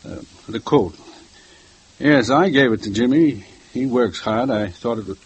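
A man's voice: medium pitch, a little slow, slightly rough, poor audio. Older male jeweler, fussy, courteous, stammering, for 1950s radio. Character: old male jeweler, polite, fussy, quietly vengeful. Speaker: jeweler, murdered girl's father. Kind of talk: 1950s radio drama acting.

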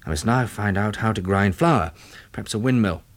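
An actor playing a practical, weary English survivor turned farmer, earnest and matter-of-fact, in a 1960s British radio drama. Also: male voice, lowish voice, normal speed, lightly acted. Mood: sober diary narration.

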